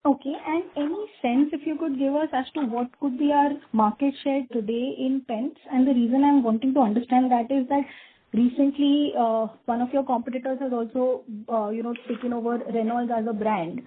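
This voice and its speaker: A woman's voice: high voice, steady tone, a little fast. A woman politely asking probing business questions as an analyst on a conference call. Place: conference call over phone. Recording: phone line with clear hiss and clicks.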